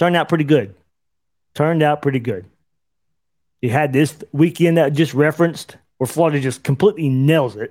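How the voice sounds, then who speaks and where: A man's fairly high-pitched voice with ordinary pitch variation, at a fairly quick pace broken by long, frequent pauses, on a very clean recording with a silent background. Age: 40s. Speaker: sports podcast host. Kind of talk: live podcast commentary. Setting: live stream. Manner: animated.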